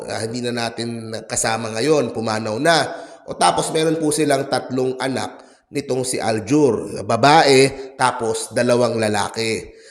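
Noticeable background noise fills the recording. Through it, a man talks fairly slowly with ordinary pitch variation. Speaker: showbiz gossip vlogger. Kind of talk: casual commentary monologue.

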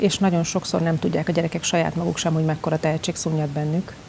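Over light background noise, a woman with a very deep, low voice talks at a very fast pace with hardly any pauses and monotone, flat intonation. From Hungary, Székesfehérvár; Hungary. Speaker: singer, choir conductor and music teacher; music educator, interview guest. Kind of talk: TV interview; interview answer. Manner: hesitant, with many filler sounds. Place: studio. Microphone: lapel.

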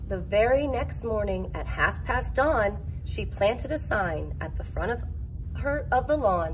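What you hear is a natural reading voice.

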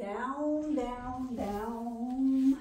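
Light background noise sits under audible room echo in this clip. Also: woman. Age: 60s. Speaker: fitness instructor. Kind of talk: workout instruction. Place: home room.

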